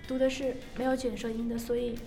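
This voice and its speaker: A young woman with a high, light voice chats casually with friends on a podcast. She rambles, circles back and slips into giggles. Soft music plays faintly underneath. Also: little pitch movement, fast talker. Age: young adult. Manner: giggly, rambling, trails off into jokes. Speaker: podcast co-host. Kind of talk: casual chat.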